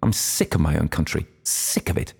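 A man's voice: rumbling low, moderate pace, creaky, darkish tone, husky, exaggerated voice. A man voicing an awkward, defensive middle-aged man who stammers at the start of his replies. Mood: flustered.

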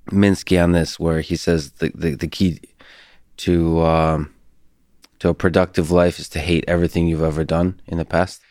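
A man with Russian as his first language, hosting a podcast in a soft-spoken, halting way with many restarts. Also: low-pitched, smooth, no echo, studio quality. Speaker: podcast host. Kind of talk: casual conversation.

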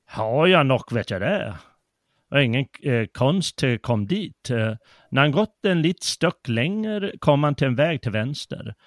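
A man voicing a rural country man giving directions, in a clumsy put-on Värmland accent, reading haltingly. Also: medium pitch, big pitch swings, dry recording, clean studio sound, natural voice. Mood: helpful. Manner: halting dialect reading with fillers.

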